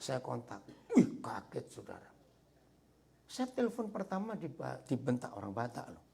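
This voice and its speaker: A man preaching a sermon as pastor, telling a story with lively asides to the congregation. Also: mid-range voice, normal speed, gravelly. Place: church sanctuary.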